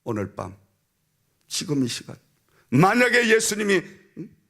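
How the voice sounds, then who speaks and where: A man's voice: sits high, wildly swooping pitch, unhurried, creaky, a bit bright. A man preaching a sermon as senior pastor, telling a story and acting out the voices of its people, often asking "eh?" of the congregation. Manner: storytelling preacher, acts out a child's and a minister's voices, frequent "응?" and "아멘". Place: church sanctuary.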